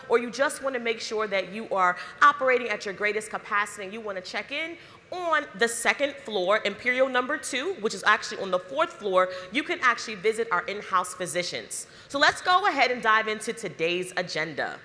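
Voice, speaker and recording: A woman's voice: fairly high pitch, sharp tone. A woman hosting a live conference as emcee, upbeat and hyping the crowd with questions. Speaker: event emcee. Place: large conference hall. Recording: hall reverb.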